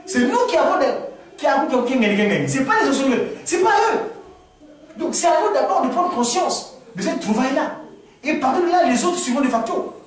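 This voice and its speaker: A man from the Republic of the Congo answers questions at a gathering, talking spontaneously to the audience in a high-pitched, fairly quick voice. He's animated, repeating words and restarting sentences, and his delivery rises into exclamations. He was recorded from a distance in an echoey room.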